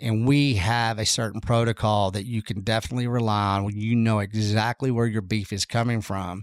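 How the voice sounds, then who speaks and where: In a Texan accent, a man talks with monotone, flat intonation and hardly any pauses, on a very clean recording with a silent background. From Texas. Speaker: rancher and food activist. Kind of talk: interview. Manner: casual, filler-heavy.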